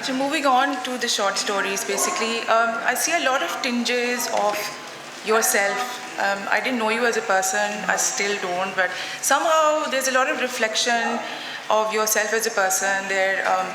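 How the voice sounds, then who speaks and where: A woman's voice: on the high side, moderate pace. A woman moderating a live book panel, putting questions together hesitantly in short fragments, over an echoey, noisy PA. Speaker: moderator interviewing an author. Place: literary festival stage in a garden venue. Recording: echoey reverberant festival PA, noisy ambience.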